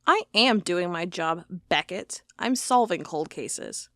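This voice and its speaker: A woman's voice: fairly low pitch, animated, slow, sharp tone, no echo, studio quality, exaggerated voice. A woman playing a stubborn, sarcastic investigator of cold cases in an audio drama, with a wry, defiant manner. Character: stubborn, sarcastic female cold-case investigator hunting monsters.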